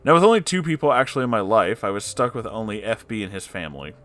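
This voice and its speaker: A man with a fairly low voice reads a personal story aloud as a narrator. His delivery is expressive and dramatic, and he is blunt and candid in the way he comments. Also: fast. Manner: expressive, sweary, incredulous interjections. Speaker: narrator reading online stories aloud.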